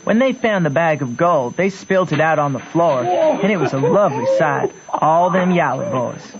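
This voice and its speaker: A man's voice: on the high side, sing-song, moderate pace, over a noisy crowd. A young actor playing a plain-spoken country boy with a rural Southern American accent, narrating a radio drama. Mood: folksy, confiding. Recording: muffled old radio recording.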